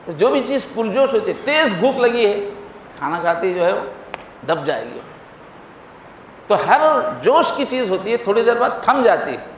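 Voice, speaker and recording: A man's voice: high-pitched, very animated, pauses often. A male Islamic scholar giving a Friday sermon, explaining with vivid everyday examples. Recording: echoey hall, faint noise.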